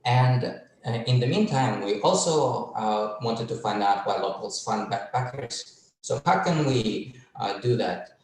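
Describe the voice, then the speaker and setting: A man from Russia giving an academic webinar presentation on research, speaking in a measured way with many pauses. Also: mid-range voice, expressive, a little mellow, a little hiss or hum. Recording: echoey room, far from mic.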